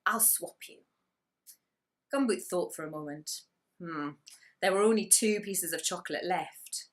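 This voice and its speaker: A woman reading a children's story aloud with expressive narration and dramatic emphasis on key words. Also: fairly low pitch, moderate pace.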